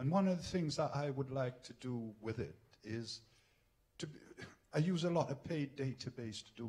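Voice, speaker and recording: Lively intonation and a somewhat breathy male voice at a moderate pace. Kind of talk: talk at a panel event. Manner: halting.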